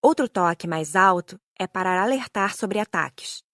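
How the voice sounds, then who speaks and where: A woman's voice: medium pitch, expressive, normal speed, fairly bright tone, no room sound, clean studio sound. A woman with a Brazilian accent reading a scripted first-person audiobook narration.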